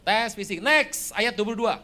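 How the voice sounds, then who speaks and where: A male pastor preaching a lively sermon, joking and acting out little scenes. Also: sits high, moderate pace. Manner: animated, joking, acts out scenes. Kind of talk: lively sermon with comic role-play.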